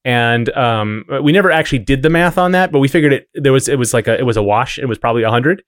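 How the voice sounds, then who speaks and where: A man's voice: medium pitch, fast, clean tone, no echo, clean studio sound. Guy cohosting a podcast, wry rambly chat, mid voice, no room sound at all. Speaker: podcast co-host.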